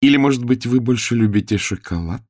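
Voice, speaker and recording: A man's voice: mid-range voice, expressive, brisk, a little mellow, no echo, studio quality, pitched above the performer's own voice, lightly acted. A man voicing a beautiful, melodious noble lady in a storybook reading, sweet-sounding but cruel underneath. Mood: sweetly coaxing. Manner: sing-song and coaxing. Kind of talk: audiobook character reading.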